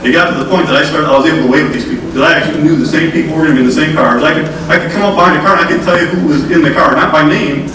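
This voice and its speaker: Fighting a cold that's costing him his voice, a man from the state transportation department presents in a conference room, folksy and direct as he calls the crowd "folks." His voice runs on the high side and a bit bright, very fast with few pauses. The sound comes from a distant mic in an echoey, noisy hall.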